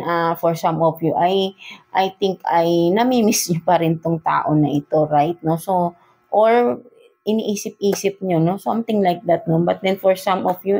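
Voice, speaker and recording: A woman with a Filipino accent and a fairly low voice gives a casual love reading from tarot cards. She talks loosely and keeps mixing Tagalog and English. Nearly every phrase ends in a questioning "no?". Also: dark tone. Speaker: tarot reader.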